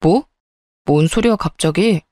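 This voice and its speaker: A woman's voice: fairly low pitch, measured pace, dark tone, no echo, clean studio sound, lightly acted. A woman voicing a brusque, dismissive husband who talks in short, irritated orders.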